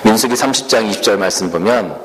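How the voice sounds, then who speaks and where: A man preaching a sermon slowly and earnestly, asking the congregation rhetorical questions. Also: fairly low pitch, fairly bright tone. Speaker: pastor. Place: church sanctuary. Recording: reverberant church hall with faint room noise.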